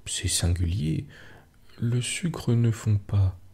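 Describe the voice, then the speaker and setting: A squeamish little girl, as a man reads her aloud in a quiet bedtime story. The voice is gravelly and breathy, slow and dark. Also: fairly low pitch, lively intonation, exaggerated voice. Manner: softly read, hushed.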